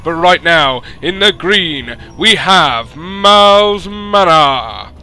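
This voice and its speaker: Man, hoarse, solo game commentary, fairly high voice, faint music underneath. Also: slow pace. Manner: rises to excited announcing at big moments. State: losing his voice. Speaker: esports caster and show host.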